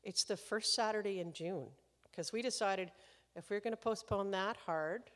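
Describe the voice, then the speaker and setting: A woman hosting a live concert series introduces the performer to the audience in a chatty way, laughing between remarks. Her medium-pitched voice moves at a moderate pace, with long reverb from the concert hall.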